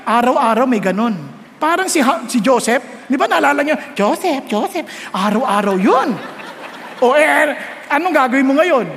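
A man preaching an animated sermon to his congregation, asking rhetorical questions and slipping English phrases into his talk. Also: extremely high pitch, slight background noise. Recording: echoey hall reverb.

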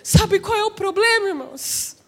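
A woman preaching a sermon with fervor. She often shouts and asks the congregation rhetorical questions. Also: very high-pitched, expressive, normal speed.

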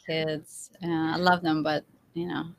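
Guest, female, non-native English speaker. Slow, slightly low voice, hesitant casual delivery. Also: little pitch movement, vocal fry. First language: not English. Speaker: former athlete, podcast guest. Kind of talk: casual conversation.

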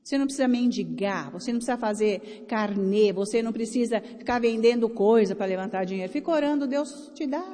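Preaching to a conference audience to raise offerings, this Brazilian woman sounds blunt and exhorting. She talks fairly fast with few pauses, in a warm, slightly high voice, heard through long hall reverb.

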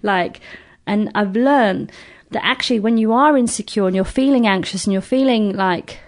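A British woman in her thirties, a comedian speaking candidly in a podcast conversation, blunt and profane, with quick self-mocking asides. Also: medium pitch. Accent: British English. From Britain. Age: 30s. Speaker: comedian guest.

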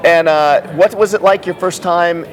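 A man hosting a casual interview, asking short questions and giving quick friendly affirmations. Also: high-pitched. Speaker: podcast host. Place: hotel lounge.

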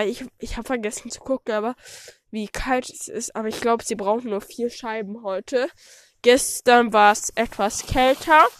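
A woman with a stuffed-up nose from a cold talks at an unhurried pace in a fairly high voice. She rambles and thinks aloud as she narrates her stable chores, with false starts along the way. She is recorded outdoors in the snow on a phone with a plugged-in mic. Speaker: podcaster. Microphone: phone with a plugged-in cable mic.

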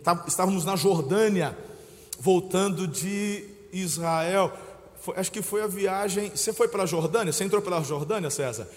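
A Brazilian man preaching in a high voice, heard in a church hall with a long reverb. He tells stories and calls his listeners brother, dropping to a hush and then rising to shouts. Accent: Brazilian Portuguese. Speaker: pastor. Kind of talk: sermon.

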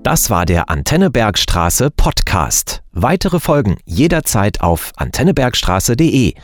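A man's voice: medium pitch, sing-song, unhurried. A man delivering a radio station's podcast outro and sponsor credit. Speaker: station announcer. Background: guitar music.

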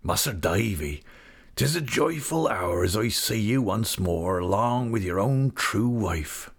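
A man performs a hale old seafarer for an audiobook, speaking in broad country dialect. His delivery is slow, affectionate and hearty, with a lively rise and fall on a fairly low male voice. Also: gravelly, breathy edge, exaggerated voice. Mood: tender, joyful. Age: older. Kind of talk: audiobook character voice.

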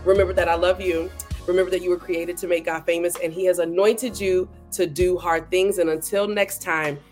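A woman's voice: fairly low pitch, flat delivery, brisk, a little mellow. Woman, podcast host, bubbly and enthusiastic, faint music behind. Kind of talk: faith podcast interview.

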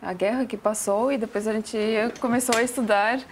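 A woman's voice: a little high, fairly even intonation, brisk, a little hiss or hum. A woman from Russia's Ural Mountains with a Russian accent, answering interview questions in a second language and searching for words as she goes. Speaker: talk show guest, fashion designer. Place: TV studio.

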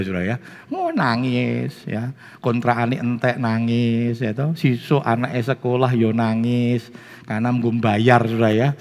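A middle-aged man with a Javanese accent preaching a sermon, animated and constantly addressing the congregation directly. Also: medium pitch, long reverb tail. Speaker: pastor.

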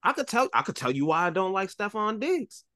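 A man's voice: high-pitched, very animated, brisk, bright, forceful tone. A man with an African American accent in casual, slangy sports talk as a podcast co-host, insistent and often repeating himself. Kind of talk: casual sports chat with friends, slangy and profane.

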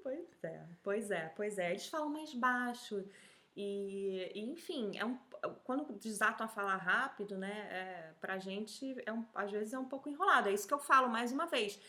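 A woman's voice: medium pitch, expressive, normal speed, bright, forceful tone. A woman in her thirties with a Brazilian accent, chatting as an interview guest, telling stories animatedly and laughing often. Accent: Brazilian Portuguese. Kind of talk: casual chat.

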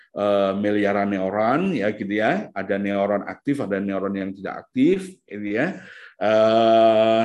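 A man lectures parents and teachers in an informal seminar. He rambles through fillers and restarts, then climbs to sharp emphatic peaks. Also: on the low side.

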